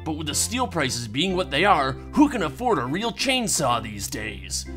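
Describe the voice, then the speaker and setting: Bright, folksy radio pitchman, acted by a man. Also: very animated, moderate pace, soft background music. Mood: hearty, salesy. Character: folksy, hearty male radio announcer pitching mock adverts. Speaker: announcer. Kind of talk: mock radio commercial.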